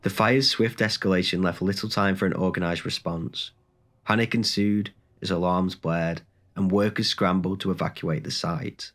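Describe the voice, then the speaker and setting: A man with a bad cold, reading a scripted documentary narration in a measured, even way as the channel's host. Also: low-pitched.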